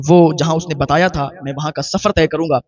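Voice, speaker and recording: A man's voice: fairly high pitch, fairly even intonation, brisk, recorded from a distance, highs cut off, close to an everyday voice. A man as an earnest pleading young traveler.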